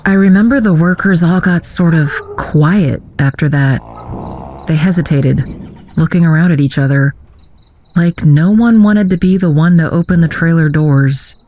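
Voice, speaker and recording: A guarded woman played by an actress tells her story in an audio drama. Her voice is middling to low, her delivery dry and sardonic, and there is faint noise behind her. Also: moderate pace, warm tone, lightly acted. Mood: recounting. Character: wry, guarded woman recalling a youthful misadventure. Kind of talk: audio drama narration and dialogue.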